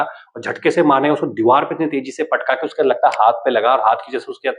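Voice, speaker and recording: A man retelling a horror story in a rambling way, dropping his voice low for the speakers he quotes. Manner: rambling, acts out dialogue in a lowered voice. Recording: dull lo-fi recording.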